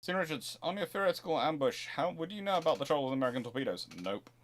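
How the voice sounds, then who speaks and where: A man's voice: fairly high pitch, lively intonation, rapid-fire. A man hosting an informal expert question-and-answer talk, discursive and often breaking off to rephrase his sentences as he thinks aloud. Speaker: host answering viewers' history questions.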